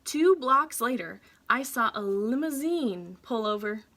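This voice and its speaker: A woman reading a children's story aloud like a teacher, with deliberate, dramatic phrasing for young listeners. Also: on the high side, lively intonation, fairly bright tone.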